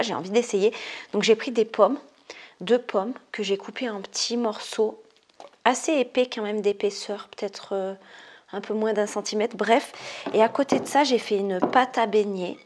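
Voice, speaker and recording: A woman's voice: a little high, normal speed. A woman hosting a casual cooking video, chatty and self-amused, often dropping her voice to a murmur.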